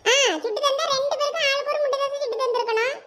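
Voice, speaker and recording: A performer voicing a sulky girl, cartoon, Thoothukudi Tamil accent, sharp-tongued, very high-pitched. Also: fairly even intonation, rapid-fire, a crowd in the background. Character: sulky girl, jealous and proud. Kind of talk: cartoon voice acting.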